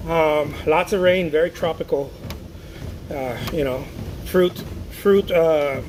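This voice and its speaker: A man's voice: a little high, slow pace. A man from Mexico, an artist chatting casually on a livestream, rambling with many restarts and reading viewer comments aloud. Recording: noticeable background noise.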